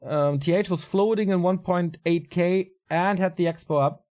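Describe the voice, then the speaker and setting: Solo esports caster, male, tired with a light rasp, relaxed and chatty, voice sits a bit high. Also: moderate pace. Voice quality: casual, chatty delivery with fillers. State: raspy voice, tired. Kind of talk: solo game commentary.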